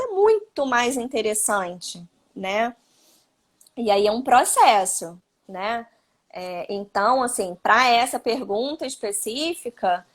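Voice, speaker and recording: High-voiced Brazilian woman giving advice. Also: a bit bright. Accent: Brazilian Portuguese. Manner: explanatory, with frequent tag questions. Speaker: psychologist. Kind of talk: live-stream talk giving parenting advice. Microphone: phone or video call.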